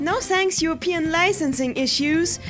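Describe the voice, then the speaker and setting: The speaker has a non-native accent, with music playing in the background. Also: woman. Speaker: anime and game reviewer. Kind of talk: video review narration.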